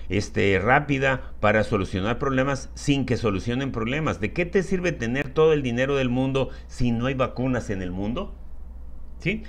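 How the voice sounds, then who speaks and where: A man with a Mexican accent hosting political commentary, addressing his audience in an emphatic, theatrical showman's way with formal courtesies. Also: mid-range voice. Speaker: host of a political commentary show. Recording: music behind the voice.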